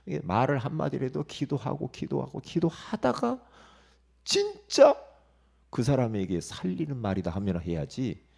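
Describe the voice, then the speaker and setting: A male pastor giving an early-morning sermon, emphatic and lively, asking the congregation rhetorical questions and dropping into quiet asides. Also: medium pitch, normal speed, gravelly, slightly rough.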